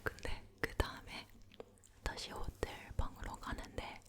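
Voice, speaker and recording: Asmr girl leaning in to whisper, slow hushed storytelling, repeats words softly, right up on the mic. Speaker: ASMR host.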